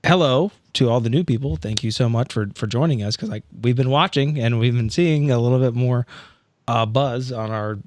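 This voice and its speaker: A man chatting casually as a podcast co-host, halting and repeating words as he goes. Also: medium pitch, dry recording. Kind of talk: casual chat.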